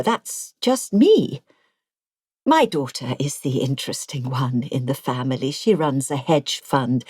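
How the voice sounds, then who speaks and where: A mild little old lady, acted by a female narrator, chatty yet self-effacing. Her soft-spoken lines come unhurried and close up, as in a cosy audiobook. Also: deep voice, no echo, full character voice. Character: mild, modest, chatty elderly woman, former nurse.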